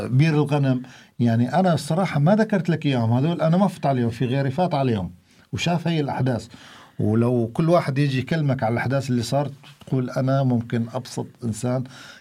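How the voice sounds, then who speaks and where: A somewhat breathy man speaks at a medium pitch with a dark, mellow tone. His pace is fairly quick, with ordinary pitch variation. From Syria, Hama governorate. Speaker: refugee, former detainee. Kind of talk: radio interview testimony. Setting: studio.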